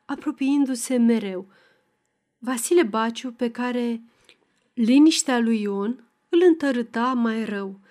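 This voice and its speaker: A woman narrating a novel as an audiobook reader, in a measured, expressive reading. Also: on the high side.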